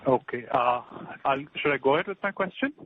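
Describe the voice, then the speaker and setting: A man's voice: mid-range voice, animated, a little fast. A man asking polite analyst questions on a conference call over the phone. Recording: tinny phone line with faint noise.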